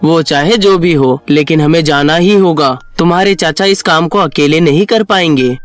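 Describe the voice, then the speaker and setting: A man's voice: fairly high pitch, normal speed, faint music behind, close to an everyday voice. A man playing a fatherly, dutiful serpent king in a cartoon story. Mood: grave, trusting.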